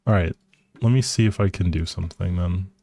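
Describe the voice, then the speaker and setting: A man's voice: deep voice, brisk, vocal fry, dark tone, breathy edge. A man live streaming a video game with casual, hesitant commentary, thinking aloud and often trailing off. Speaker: live streamer playing a life simulation game.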